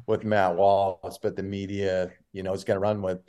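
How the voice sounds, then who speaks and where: A man's voice: sits low, normal speed, clean tone. A man, a podcast co-host and tour caddy, telling profane stories in casual banter. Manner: profane, storytelling, animated impressions.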